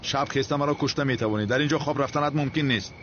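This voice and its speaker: A man's voice: mid-range voice, background noise, close to an everyday voice. A man dubbing a TV drama, voicing a harried man who complains and sighs at unwanted guests. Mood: exasperated. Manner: exasperated, complaining, sighing. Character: harried adult man, exasperated at his unwanted houseguests. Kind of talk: dubbed TV drama. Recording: dull lo-fi TV audio with music.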